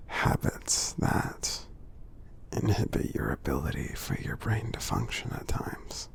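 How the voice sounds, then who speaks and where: A man playing a kind, gentle giant in an ASMR roleplay, speaking softly and reassuringly in a husky, half-whispered voice with many pauses. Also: heavily acted. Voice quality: husky, breathy, gravelly low voice. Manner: slow, gentle, reassuring, pausing often. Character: gentle friendly male giant, supportive and kind.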